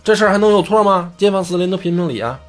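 A man voicing a self-righteous, meddling male barber who scolds and accuses loudly. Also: high-pitched, animated, rapid-fire, soft background music, pitched above the performer's own voice. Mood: indignant. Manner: indignant, shouting accusations.

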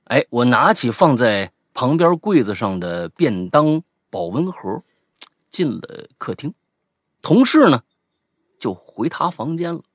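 Husky man retelling a spooky story. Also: medium pitch, a little slow, no echo, clean studio sound. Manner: lively, animated retelling with asides. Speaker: podcast co-host reading a listener's ghost story. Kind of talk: casual storytelling with banter.

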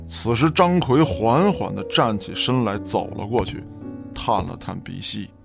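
A man's voice: lowish voice, animated, measured pace, creaky. A man narrating a scripted audio drama as a storyteller, in a dramatic reading style. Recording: background music under the voice.

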